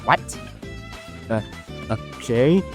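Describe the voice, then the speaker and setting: A young man who stutters often, narrating and reacting loudly to a game he is playing, casual and swearing. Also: mid-range voice, lively intonation, drawn-out words, faint music behind. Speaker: gaming YouTuber. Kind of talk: game commentary with voice-over narration.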